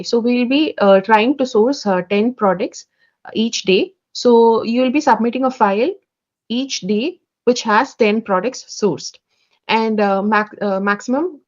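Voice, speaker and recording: A woman's voice: on the high side, a little slow, darkish tone. Woman leading a video-call training, hesitant. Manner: hesitant, many fillers, polite. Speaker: team lead running intern onboarding. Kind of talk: online meeting, training briefing. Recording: dull lo-fi call audio.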